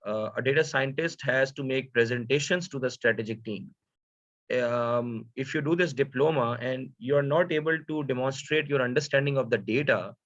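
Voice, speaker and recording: A man with a South Asian accent giving an informal data science lecture, speaking haltingly with frequent hesitations and rhetorical questions. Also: mid-range voice, no room sound. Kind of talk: informal lecture, code-switching. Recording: dull, dry lo-fi audio.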